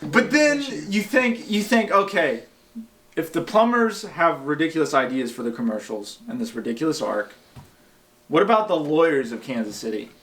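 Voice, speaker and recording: A man's voice: a little high, lively intonation, moderate pace, fairly bright tone. A man hosting a casual comedic reaction chat, repeating phrases for emphasis. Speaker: host. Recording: faint background noise.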